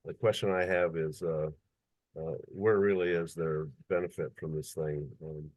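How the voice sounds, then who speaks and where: A man from Illinois on a video call, speaking haltingly with many stammered restarts and "uh"s. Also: low voice, steady tone, a little mellow, dry recording. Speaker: workshop participant, precinct committeeman.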